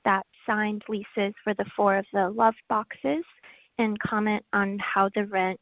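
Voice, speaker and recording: A woman's voice: medium pitch, fairly even intonation, slow pace, dry recording. A woman analyst politely asking questions on an earnings call. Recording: dry tinny phone line.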